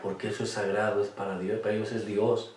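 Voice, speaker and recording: A man's voice: fairly low pitch, level tone, fast, darkish tone, a little hiss or hum. A man leading a Catholic Bible study, speaking emphatically and posing rhetorical questions to his listeners. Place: room with cameras. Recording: echoey room, distant mic.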